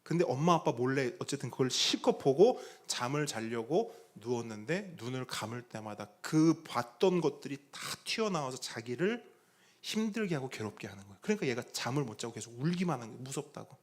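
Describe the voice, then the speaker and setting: A middle-aged man preaching a sermon as a pastor. He tells a story in an animated way, acts out the voices of the people he quotes and asks the congregation questions. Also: mid-range voice, brisk. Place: church sanctuary.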